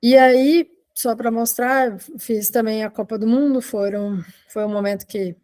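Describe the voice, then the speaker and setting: A woman's voice: on the high side, fairly even intonation, a little slow, a little mellow. Conversational woman presenting on a video call. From Argentina, living in Brazil. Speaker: photojournalist giving a talk. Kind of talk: informal online presentation of own work.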